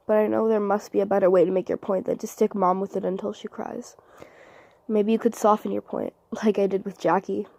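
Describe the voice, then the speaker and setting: A woman playing an earnest twelve-year-old girl in an audition monologue, soft-spoken, halting and sincere as she pleads with her father. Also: mid-range voice, creaky, dry recording, natural voice. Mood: hurt, earnest.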